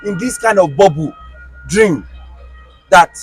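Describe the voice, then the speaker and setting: A Nigerian man with a high-pitched voice talks as an interview guest. He is animated and emphatic and throws out rhetorical questions. His accent is clearly Nigerian. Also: slow, soft background music. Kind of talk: casual conversation.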